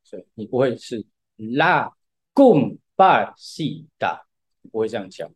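A man's voice: lowish voice, racing, warm tone, breathy edge. Patient man explaining music. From Taiwan. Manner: explains patiently with many "对" fillers. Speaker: podcast co-host. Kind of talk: casual explanatory chat.

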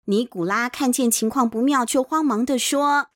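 A woman's voice: fairly high pitch, moderate pace. A woman with a Taiwanese accent narrating a children's bedtime story expressively, with playful asides. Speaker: children's storyteller, podcast host. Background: clear background music.

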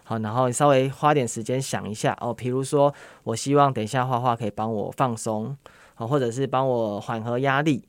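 A man's voice: medium pitch, steady tone, brisk, no echo. A man with a Taiwanese accent, an interview guest explaining things casually, patiently and agreeably, step by step. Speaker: interview guest, art and occupational therapist.

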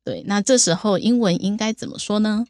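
A woman hosting an English lesson, guiding a casual chat briskly with follow-up questions. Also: mid-range voice, darkish tone, no echo, clean studio sound. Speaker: host.

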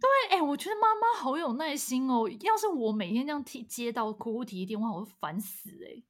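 Brief: woman, podcast co-host, a touch higher voice, warm and responsive in casual chat. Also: lively intonation, brisk.

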